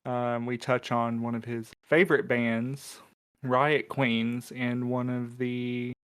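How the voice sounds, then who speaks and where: A man's voice: mid-range voice, level tone, takes it slowly, a bit bright, smooth. A man in a podcast cast, chatting casually in a wry, joking way. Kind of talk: casual panel chat.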